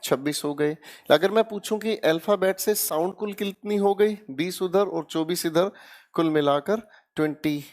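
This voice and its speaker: Indian man, grammar teacher, high voice, coaxing, keeps checking students follow. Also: moderate pace. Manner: coaxing, keeps checking students with "haan ya na?" and "theek hai beta?". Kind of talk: online exam-prep lecture.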